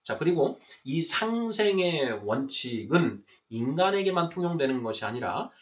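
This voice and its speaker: A man's voice: on the high side, very animated, unhurried. A man giving an explanatory lecture in a question-and-answer format, stressing and repeating key phrases in a didactic way. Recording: distant mic, dull muffled sound.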